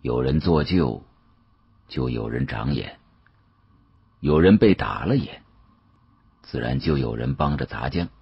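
A grave older male official , acted by a male audiobook narrator, speaks with slow weight and knowing authority. The voice is extremely low and badly husked. He lectures cryptically, in a close, dry recording. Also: expressive, vocal fry, breathy edge, dry recording, lo-fi sound, full character voice. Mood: grave, probing.

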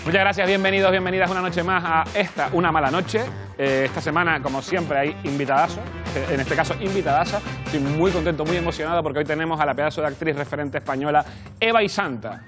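A man's voice: on the high side, quick pace. A man hosting a late-night show, rambling in a flustered, self-deprecating way through his opening bit. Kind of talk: comic late-night monologue. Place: TV studio with a live audience. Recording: studio audience and music.

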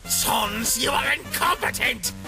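A man voicing a pompous, short-tempered skeleton villain, loud, theatrical and gravelly, in a comic dub. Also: very high voice, lively intonation, takes it slowly, full character voice. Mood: furious bellowing. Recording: music playing behind.

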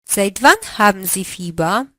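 Female teacher voice, unhurried and precise, dry studio sound. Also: medium pitch, expressive, sharp tone, no room sound. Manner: slow, carefully articulated prompting. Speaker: language teacher. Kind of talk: language lesson drills.

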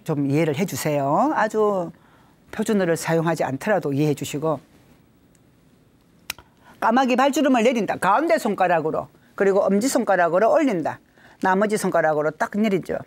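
A woman's voice: on the low side, a little fast. A middle-aged woman with a Gyeongsang accent giving a laughter therapy lecture, leading counting exercises. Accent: Gyeongsang Korean. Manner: animated, leads counting drills with bursts of laughter. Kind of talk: lively lecture with group exercises.

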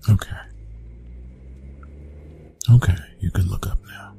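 A man playing a gruff, reluctant young college bully in an ASMR roleplay, talking in a hushed, halting, casual way. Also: low-pitched, steady tone, a little hiss or hum, heavily acted. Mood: exasperated, hushed. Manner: hushed, halting, casual, often breathy whispering. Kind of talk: ASMR roleplay, intimate one-sided dialogue.

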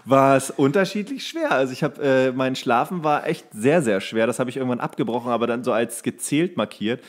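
A man chats as a podcast co-host. He tells his stories loosely and colloquially, at a middle pitch, as in an easy conversation between two presenters. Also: expressive, brisk. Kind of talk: casual chat, anecdotes.

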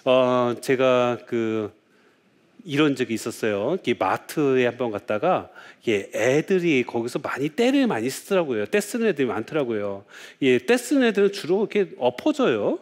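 A man's voice: mid-range voice, big pitch swings, normal speed. A man, a Catholic priest, giving a lecture, telling stories and asking rhetorical questions with frequent "yes" fillers.

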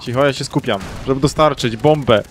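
A young man hosting co-op gameplay commentary, chattering excitedly, swearing and then apologizing for it. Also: mid-range voice, brisk. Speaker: let's play host.

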